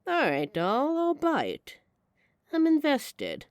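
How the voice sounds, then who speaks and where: A brash female mafia boss, acted by a woman in an audio roleplay, swinging widely in pitch. She is wry, flirty and apologetically charming, talking straight to the listener in a dry, close recording. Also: wildly swooping pitch, slow pace, dry recording, heavily acted. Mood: amused, flirtatious.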